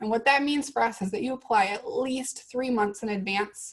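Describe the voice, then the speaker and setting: A woman speaks with an American accent, somewhat breathy and fairly high in pitch. Her pace is fairly quick, with ordinary pitch variation. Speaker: university admissions officer. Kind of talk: presentation with Q&A. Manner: fast.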